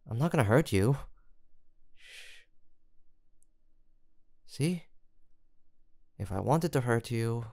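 A man voicing a gentle, protective man who talks softly and teasingly to a frightened stray he has rescued, in a close audio roleplay. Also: mid-range voice, gravelly, no room sound. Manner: soft teasing, coaxing and reassuring.

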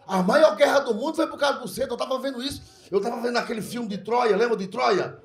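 A man doing a crude, animated stand-up comedy set, slipping into mock foreign voices as he tells his story. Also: very high voice, fast talker, vocal fry. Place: comedy club stage with a live audience. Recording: echoey room, loud crowd laughter.

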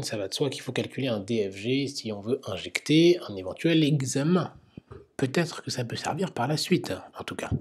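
Male medical teacher, husky, hesitant explainer, quiz lecture. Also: medium pitch.

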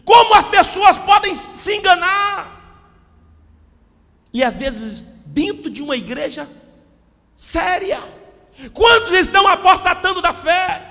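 A man in his forties preaches with fiery fervor, his very high, bright, forceful voice often rising to a shout. He holds a handheld mic, and the sound carries a long reverb from the church hall around him. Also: expressive, slow pace, long pauses. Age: 40s. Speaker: pastor. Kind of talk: impassioned Pentecostal sermon. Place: church hall with a stage backdrop. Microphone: handheld microphone.

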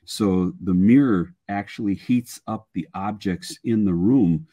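A man's voice: fairly low pitch, measured pace, mellow. An older man speaking as a guest expert, explaining technical matters informally on a webinar video call. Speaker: guest expert, structural engineer and sales manager.

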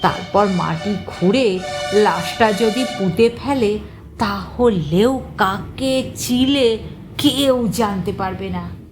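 Female storybook narrator, unhurried and measured, expressive, mid-range voice. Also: mid-range voice. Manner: measured and expressive, rising on key words. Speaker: story reader. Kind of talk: first-person story narration.

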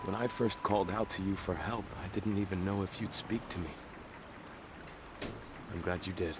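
Actor as a low-voiced, grateful tribal father. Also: steady tone, normal speed, background noise, lightly acted. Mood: grateful, earnest. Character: grateful, gentle tribal father in a post-apocalyptic wilderness. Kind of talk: video game dialogue acting.

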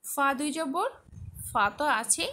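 A woman's voice: high-pitched, expressive, measured pace, sharp tone. A woman teaching a lesson to young children, going patiently through sounds and letters and asking the class questions to check they understand.

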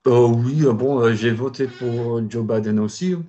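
A man's voice: mid-range voice, fairly even intonation, a little slow, mellow. A man in his twenties with an American accent, introducing himself briefly and hesitantly on a video call. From Utah, United States. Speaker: guest, English teacher. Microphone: video call, earphones. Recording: dull lo-fi call audio.

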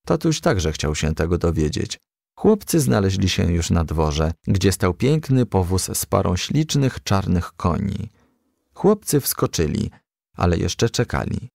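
Narrator, male, low gravelly voice, lively children's-book reading, dry close mic. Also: unhurried, dry recording. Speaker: audiobook reader.

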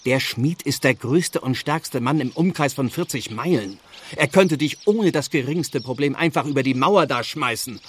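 A man's voice: mid-range voice, moderate pace, slight background noise, natural voice. An actor playing a pious, reproachful village clergyman and long-suffering brother in a German radio play. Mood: stern warning. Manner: earnest, admonishing.

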